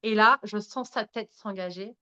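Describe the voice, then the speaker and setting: A woman's voice: mid-range voice, moderate pace, clear, resonant tone, highs cut off. A woman guest on a podcast, telling a personal story frankly and with animation. She swears freely, laughs at herself and speaks straight to the listeners. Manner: animated, addresses listeners directly. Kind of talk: candid storytelling in conversation.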